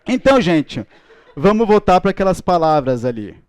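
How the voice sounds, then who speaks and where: A man with a Brazilian Portuguese accent teaches a Bible school class, joking with the room and leading everyone in chanting letters. His voice sits a little high and sounds smooth and clear. The recording is dry and close. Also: very animated, normal speed, a little mellow, dry recording. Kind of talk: lively classroom lesson.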